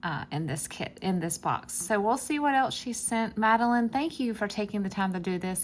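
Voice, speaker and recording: A woman with a Southern US accent at a moderate pace, in a very clean recording with a silent background. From US South. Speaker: craft YouTuber. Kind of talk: unboxing video.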